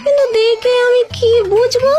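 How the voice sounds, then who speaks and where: A woman's voice: very high voice, fairly even intonation, normal speed, a little mellow. A woman voicing a naive, chatty village farmer's wife in a cartoon. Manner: naive, matter-of-fact, chatty. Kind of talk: cartoon voice acting. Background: background music.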